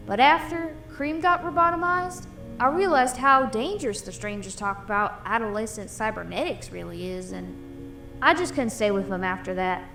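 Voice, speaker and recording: A woman's voice: medium pitch, pushed and bright. A woman playing a tough but bashful female boxer, a cartoon animal in an audio drama, talking colloquially.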